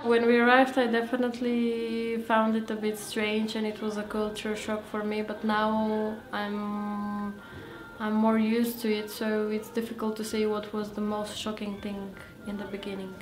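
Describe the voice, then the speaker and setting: A woman's voice: mid-range voice, monotone, unhurried. A young woman from Bulgaria, chatting frankly and with easy amusement as a volunteer English teacher in a documentary interview. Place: plain room indoors. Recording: echoey room.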